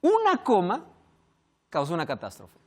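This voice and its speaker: A man preaching a sermon, asking rhetorical questions and swinging from loud emphasis to hushed endings. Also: high-pitched, huge pitch swings, moderate pace.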